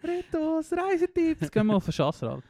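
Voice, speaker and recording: A man's voice: extremely high pitch, huge pitch swings, fairly quick, warm tone, no echo, studio quality. A young man with a Swiss German accent, co-hosting a podcast in casual chat, rambling through his stories, often laughing and trailing off mid-sentence. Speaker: podcast co-host.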